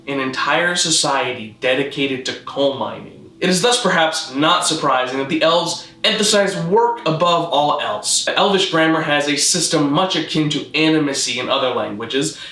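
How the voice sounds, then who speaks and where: Bright-voiced deadpan man lecturing, roomy sound. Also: on the high side. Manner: deadpan, didactic. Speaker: host, video essayist on constructed languages. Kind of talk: scripted narration, mock-academic lecture.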